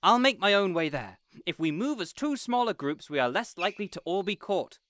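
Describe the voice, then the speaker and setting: A man's voice: high-pitched, very animated, brisk, a bit bright, no echo, clean studio sound. A man playing a grandiose, eager superhero captain in an audio roleplay, pompous and heroic. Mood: confident. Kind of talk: audio roleplay drama acting.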